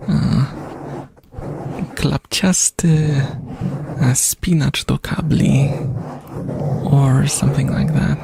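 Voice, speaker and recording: A native Polish man rambling softly and casually to his ASMR live chat, hesitant and playful. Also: mid-range voice, fairly even intonation, very slow, gravelly, long pauses, background noise.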